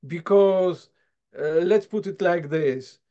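Slow, halting man. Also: sits high, warm tone. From southern Poland. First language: Silesian. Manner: halting, thoughtful, many filler sounds and tag questions. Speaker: guest lecturer. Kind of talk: academic lecture. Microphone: video call. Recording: dull lo-fi video call audio.

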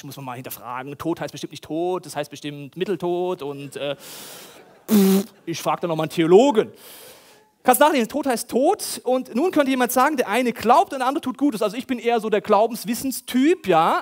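A pastor preaching a lively, provocative sermon, acting out mock prayers and voices to make his point. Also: high-pitched. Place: church hall.

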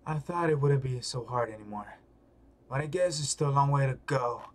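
Man as a low, weary, brooding comic character. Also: normal speed, close to an everyday voice. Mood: brooding, resentful. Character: weary, brooding, bitter male smoker in a comic.

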